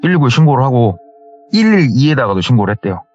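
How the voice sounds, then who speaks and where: A man hosts a horror story show and tells it with a very lively voice that rises and falls a lot. He acts out the people in the story with raised voices. The sound is dull and lo-fi, with faint music under it. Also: medium pitch, fast. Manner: animated retelling, acting out quoted people in raised voices. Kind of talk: retelling a true horror story.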